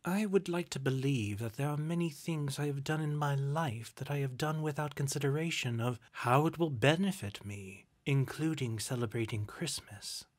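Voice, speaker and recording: A man's voice: medium pitch, normal speed, hardly any pauses, close to an everyday voice. A man voicing a cheerful, good-hearted young nephew in a storybook, polite, earnest and a little mischievous. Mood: earnest, pleading.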